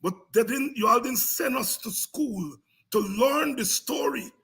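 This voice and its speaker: Raspy, impassioned Guyanese man, high-pitched. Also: unhurried, sharp tone. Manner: emphatic, repetitive, combative. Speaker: host of a politics and history talk programme. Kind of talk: impassioned informal history lecture to an audience.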